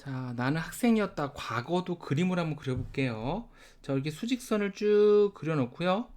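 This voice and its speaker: A man teaches at a whiteboard and explains each step in turn, with an animated voice that rises and falls a lot. He drills short phrases slowly and over and over, and he opens each new point with a short prompting word. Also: a little high. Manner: starts sentences with a prompting filler. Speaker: English teacher. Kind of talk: whiteboard lesson.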